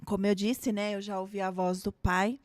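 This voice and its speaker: A Brazilian woman, a pastor, talking casually and softly, laughing easily. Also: medium pitch, little pitch movement, moderate pace, no echo, studio quality. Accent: Brazilian Portuguese. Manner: soft, warm-toned asides, laughs easily. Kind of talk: casual conversation.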